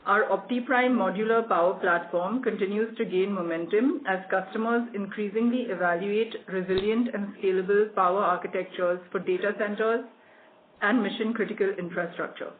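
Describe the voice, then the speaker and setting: An executive reads a scripted earnings presentation in a formal, measured corporate way. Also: mid-range voice, steady tone. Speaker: company executive presenting quarterly results. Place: conference call. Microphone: phone or conference call line. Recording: phone-like conference line with clear noise.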